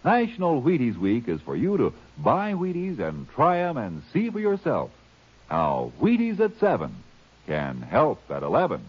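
A man's voice: medium pitch, wildly swooping pitch, moderate pace, breathy edge. A man delivering chatty, emphatic sales talk as a 1950s radio announcer. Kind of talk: folksy 1950s radio advertising. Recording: muffled 1950s radio recording.

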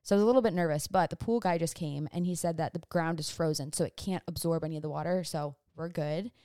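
A woman's voice: low-pitched, fast, mellow, clear, resonant tone, no echo, clean studio sound. A young woman in her twenties telling a long, rambling storytime to camera in casual chat, sidetracking often. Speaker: vlogger. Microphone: phone or camera on a stand.

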